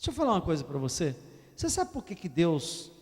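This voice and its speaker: A man's voice: fairly high pitch, wildly swooping pitch, quick pace, a little mellow. A man preaching a sermon as pastor, joking with the congregation and leading call-and-response. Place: church hall. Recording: long church-hall reverb.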